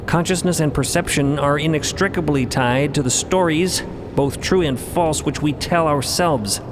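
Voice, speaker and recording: A man playing a solemn, commanding mystic of a ship, speaking in a formal, measured, didactic way in an audio drama. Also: close to an everyday voice. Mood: probing, solemn. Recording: rumbling vehicle-like background noise.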